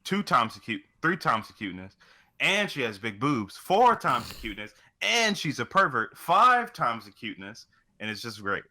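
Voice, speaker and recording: A man's voice: mid-range voice, very animated, moderate pace, sharp tone. A young man chatting casually and unscripted as a gaming co-host, with a crude, profane streak.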